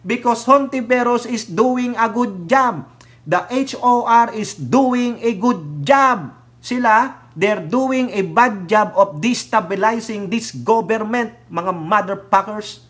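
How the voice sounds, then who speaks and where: A man's voice: high-pitched, slow pace, fairly bright tone. A man with a Filipino accent, a political vlogger giving a heated, mocking rant full of rhetorical asides and insults. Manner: mixes English into speech, rhetorical asides. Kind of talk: ranting political commentary.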